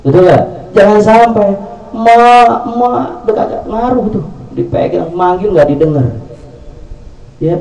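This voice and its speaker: A man preaching a storytelling sermon with humorous asides. His voice is mellow and sits fairly high. He is heard from a distance in an echoey room, with faint ambience behind him. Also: lively intonation, slow pace. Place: indoor company gathering room. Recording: echoey room, mic far off.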